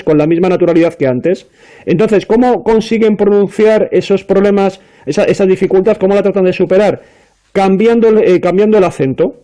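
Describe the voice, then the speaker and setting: High, mellow-voiced man explaining. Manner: explanatory, many fillers and restarts. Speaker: panelist. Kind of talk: casual panel discussion.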